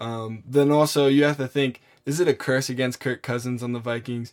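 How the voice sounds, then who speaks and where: The recording is very clean with a silent background as a man speaks at a fairly quick pace with fairly even intonation. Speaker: former college football player. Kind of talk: casual sports talk. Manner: halting, many fillers.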